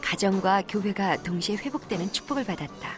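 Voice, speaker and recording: A woman at medium pitch and moderate pace, with music in the background. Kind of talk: documentary narration.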